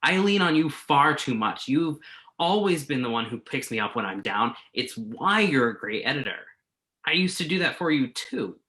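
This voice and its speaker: A man's voice: mid-range voice, big pitch swings, normal speed, pushed and bright. A man acting the part of an earnest, wordy, self-doubting journalist in a staged play reading. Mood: earnest, apologetic. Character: remorseful male entertainment journalist, self-doubting, argumentative, earnest.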